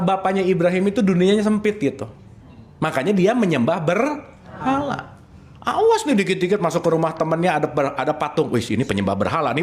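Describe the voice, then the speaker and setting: Lively high-voiced man teaching. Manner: playful, lively, asks the audience often. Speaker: religious teacher. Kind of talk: casual religious study talk.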